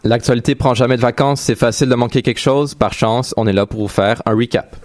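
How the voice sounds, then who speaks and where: A young man hosting a radio news recap show and introducing his co-hosts briskly. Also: medium pitch, darkish tone, faint music behind.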